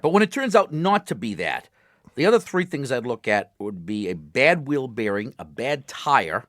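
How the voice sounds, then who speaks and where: A man's voice: mid-range voice, normal speed, no room sound, studio quality. An older man co-hosting a call-in radio show, joking and laughing often as he gives car advice. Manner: jokey, laughs often, lively sing-song delivery. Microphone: studio microphone.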